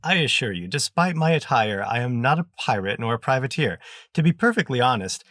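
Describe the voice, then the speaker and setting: A man acts out a grandly polite gentleman adventurer in a fantasy audiobook. He is pompous and florid, with his voice lifted above a low male register into theatrical declaration. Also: expressive, fairly quick, dry recording, clean studio sound, lightly acted. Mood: indignant, explanatory.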